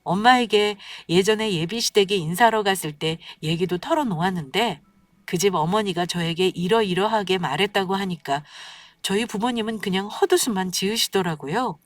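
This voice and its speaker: A young woman narrating a first-person story in an even, scripted way at a middle pitch. Her voice sits a little back from the mic. The sound is dry, with no room around it. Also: moderate pace, no room sound, recorded from a distance.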